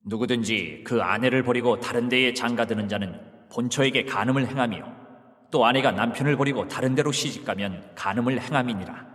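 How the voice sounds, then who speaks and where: A man voicing Jesus as a calm, authoritative teacher in a dramatized Bible reading, speaking in a measured, solemn way. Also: medium pitch, long reverb tail, close to an everyday voice. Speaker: voice actor.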